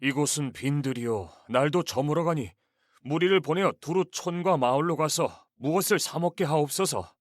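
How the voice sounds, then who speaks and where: An actor voicing disciples and Pharisees as grown men, speaking in an earnest, questioning way. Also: male voice, a little high, normal speed, no echo, clean studio sound, natural voice. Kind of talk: scripted Bible drama reading.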